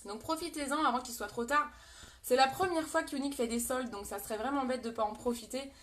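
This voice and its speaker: A woman's voice: high voice, a little fast, fairly bright tone. A French woman hosting a casual live makeup demo, chatting with viewers as she talks through products. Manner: chatty, greets viewers, frequent fillers.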